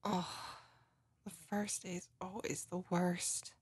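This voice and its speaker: A woman's voice: on the low side, flat delivery, slow pace, darkish tone, no echo, exaggerated voice. A woman playing a doting, lovey girlfriend in an intimate, cooing roleplay ASMR, tenderly comforting and gushing over her partner up close. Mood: tender, soothing. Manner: cooing, gushing, breathy, often giggling. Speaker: roleplay audio performer.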